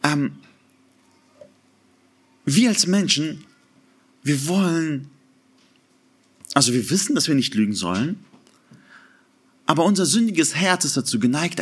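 Emphatic, lively-voiced male preacher. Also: mid-range voice, breathy edge. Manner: earnest, emphatic preaching with sudden rises and slow stressed words. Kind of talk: sermon.

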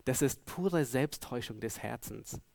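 A man preaching a sermon, earnestly putting searching questions to his listeners and moving between loud emphasis and hushed tones. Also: mid-range voice, expressive, measured pace, creaky, dry recording.

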